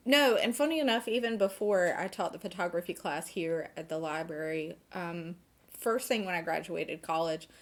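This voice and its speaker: A woman aged forty, a photography instructor, answering interview questions conversationally and hesitantly, thinking aloud. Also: medium pitch.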